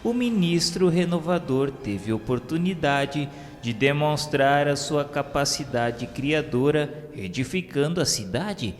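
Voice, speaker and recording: A man's voice: a little high, lively intonation, slow, few pauses. A Brazilian man reads a scripted radio novela narration in a solemn, formal, declamatory manner. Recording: long reverb, music behind. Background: music.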